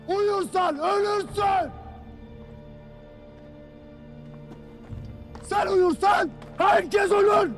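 A furious army commander, played by a man in an amateur film-scene reenactment, lays into his soldiers with bitter, cutting lectures. He barks his orders with harsh force. His voice sits very high. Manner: harsh, bitter lecturing that swings into barked shouting.

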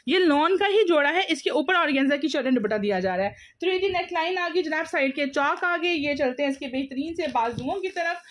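A woman with a Pakistani accent giving an overeager, repetitive, exclamatory teleshopping pitch as a live online clothing seller. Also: lively intonation, brisk, few pauses.

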